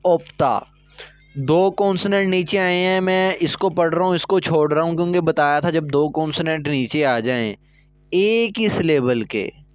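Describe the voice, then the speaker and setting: A man's voice: on the high side, normal speed, no echo. A man teaching a recorded Korean lesson, explaining step by step and often checking that students follow. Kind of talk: recorded language lecture.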